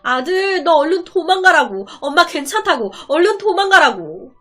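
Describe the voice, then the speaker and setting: A woman's voice: very high voice, sing-song, moderate pace, pushed and bright, faint music behind, voice pushed up, exaggerated voice. A woman voicing a desperate mother urging her son to run. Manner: pleading, urgent.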